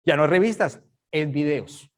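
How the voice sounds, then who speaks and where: A man's voice: on the high side, lively intonation, unhurried. Guy preaching a bible study, talky and emphatic, keeps asking if u get it. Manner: conversational, emphatic, checks listeners understand.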